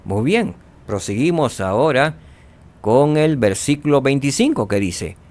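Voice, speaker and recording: A man teaching a scripture lesson, asking rhetorical questions and dropping to soft tones for emphasis. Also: medium pitch, no room sound.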